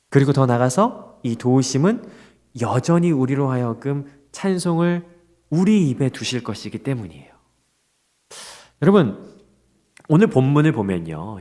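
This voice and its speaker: A male pastor preaching a dawn prayer sermon, expressive and asking the congregation rhetorical questions. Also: a little high.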